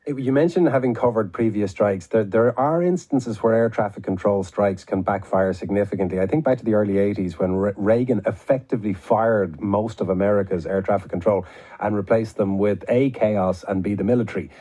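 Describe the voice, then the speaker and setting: Man, low and mellow voice, radio interviewer, broadcast interview style. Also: brisk. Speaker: radio host.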